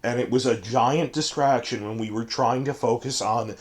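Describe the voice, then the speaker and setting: A hoarse man with a cold, giving emphatic, digressive commentary as a fantasy fandom channel host. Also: medium pitch, moderate pace. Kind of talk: ranting commentary.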